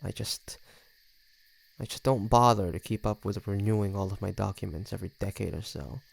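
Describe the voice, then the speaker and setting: Man voicing a smug, creaky low-voiced flirty vampire. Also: moderate pace, heavily acted. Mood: flustered, defensive. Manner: teasing, smug, sardonic. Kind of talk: scripted audio roleplay addressed to the listener.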